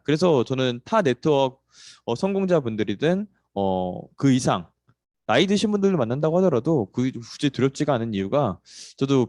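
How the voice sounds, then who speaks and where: A man's voice: mid-range voice, a little mellow, no echo, clean studio sound. A man hosting an online morning session, talking in a chatty way with many fillers before he introduces the speaker. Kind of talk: casual introductory talk.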